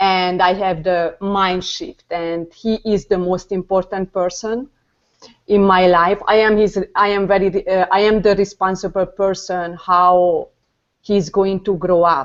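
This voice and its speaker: A woman speaks with a Hungarian accent at a medium pitch. Her delivery is monotone and flat, at a fairly slow pace. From Hungary. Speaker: entrepreneur mom. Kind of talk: casual chat. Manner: halting. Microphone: says she hears an echo.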